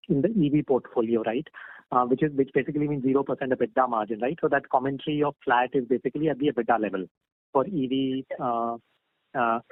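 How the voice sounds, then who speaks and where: A man asking questions as an analyst on an earnings call, halting and often checking his understanding. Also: mid-range voice, no room sound. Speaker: financial analyst caller. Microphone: phone call. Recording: dry, tinny phone line.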